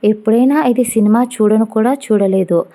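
Woman playing a teasing college friend, scolding, mellow warm tone. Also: on the high side, normal speed, lightly acted. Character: young female college friend, sharp-tongued.

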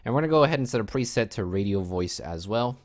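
Low-voiced man giving a casual software tutorial. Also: animated, fast. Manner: informal, step-by-step instructing. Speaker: tutorial host. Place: indoors, voice-over for screen recording.

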